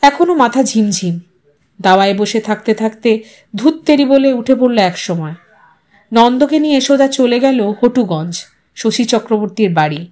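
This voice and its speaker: A woman storyteller reading literary fiction aloud as expressive, scripted audiostory narration. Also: a little high, moderate pace.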